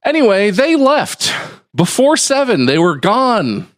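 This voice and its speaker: A man telling a story on a podcast, animated and exasperated, swearing and acting out what other people said. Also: high voice, measured pace, no echo, clean studio sound. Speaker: podcast co-host.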